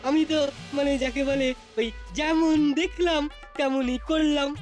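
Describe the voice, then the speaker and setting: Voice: high voice, steady tone, measured pace, soft background music. An actor playing a sly, simple-minded snack cook, hesitant and self-justifying, in a comedy cartoon. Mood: sheepish.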